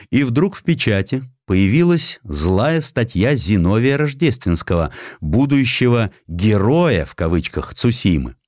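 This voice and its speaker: A man narrating a literary historical essay as an audiobook, in an expressive, measured storytelling manner with dramatic emphasis. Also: on the low side, no echo, clean studio sound.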